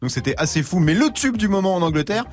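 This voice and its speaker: A man's voice: sits high, animated, fast. A man with a French accent hosting a radio show, teasing his co-hosts and handing out turns. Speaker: radio host. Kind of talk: lively radio banter.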